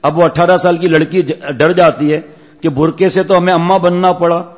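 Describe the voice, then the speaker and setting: A middle-aged man preaches, telling stories and breaking off to joke with his listeners. His voice sits a little high. The recording is muffled and carries a long reverb from a large hall. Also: steady tone. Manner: storytelling, jokey asides to listeners. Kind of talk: Islamic sermon with anecdotes.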